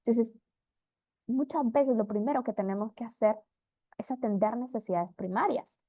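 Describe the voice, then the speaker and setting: A woman with a fairly high voice gives an earnest Bible teaching talk. She tells the stories with feeling and acts out what each person says. The sound is dull and lo-fi, close and dry. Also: moderate pace, no room sound. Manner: earnest storytelling, acts out quoted figures.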